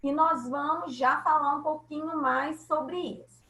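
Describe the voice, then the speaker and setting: A Brazilian woman teaching a class over a video call, her voice high and her pace unhurried. She explains patiently and keeps checking that students follow. The sound carries the echo of the room she is in. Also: fairly even intonation, pushed and bright. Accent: Brazilian Portuguese. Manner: slow, patient, checks understanding often. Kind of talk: online class lecture.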